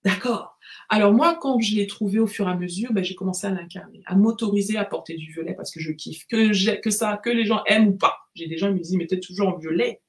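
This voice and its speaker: Lively French woman coaching on a live stream. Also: mid-range voice, quick pace. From France. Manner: lively, repeats words, mixes in English phrases. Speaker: life coach. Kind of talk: live-stream motivational talk.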